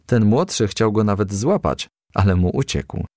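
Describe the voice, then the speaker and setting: A man narrating a children's storybook as a gentle, lively storyteller. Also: on the low side, normal speed, dry recording, clean studio sound.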